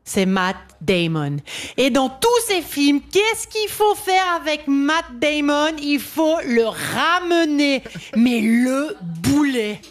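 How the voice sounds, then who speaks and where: A woman's voice: high voice, very animated, takes it slowly. A woman delivering a slangy comic monologue and acting out bits of dialogue. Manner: chatty, slangy, acts out dialogue. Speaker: comedian panelist. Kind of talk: stand-up style comic monologue.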